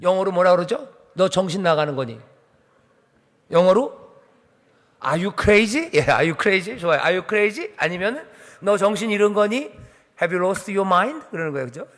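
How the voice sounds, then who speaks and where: A man preaching in a church, his voice high and bright. He talks in a chatty way, throwing questions to the congregation. The sound rings with a long hall reverb. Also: very animated, unhurried. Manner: conversational, asks the congregation questions and voices God's questions. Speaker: pastor. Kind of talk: sermon. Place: church sanctuary.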